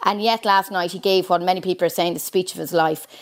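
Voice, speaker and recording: A woman giving measured, articulate political analysis as a news correspondent in a conversational broadcast interview. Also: lowish voice, fairly even intonation.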